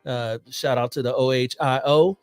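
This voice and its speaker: A middle-aged man from Ohio, a guest on a podcast, chatting in a relaxed, friendly way with lots of "you know". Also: mid-range voice, moderate pace, clear, resonant tone, dry recording, studio quality, soft background music. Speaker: podcast guest, police investigator. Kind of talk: casual interview chat.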